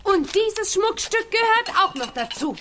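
An actress playing an exuberant, theatrical press reporter in a children's audio drama, in a noisy clip with clinking. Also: female voice, very high voice, very animated, measured pace, full character voice. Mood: excited. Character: excitable, gushing female press reporter.

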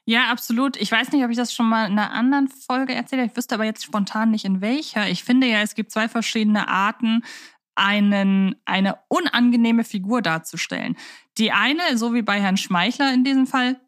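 A woman's voice: a little high, moderate pace. Articulate woman hosting a podcast. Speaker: podcast host. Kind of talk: conversational podcast talk.

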